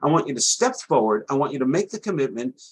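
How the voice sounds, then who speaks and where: A man talks in a fairly high voice. His pitch swings very widely. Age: old. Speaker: trading educator presenter. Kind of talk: webinar presentation with sales pitch. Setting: online webinar. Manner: fast; halting, many fillers.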